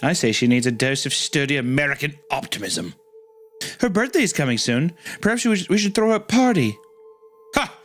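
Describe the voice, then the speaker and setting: A man voicing a pompous, self-serious gentleman of a grand house, drawn-out and formal, in a comic story reading. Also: fairly high pitch, animated, soft background music.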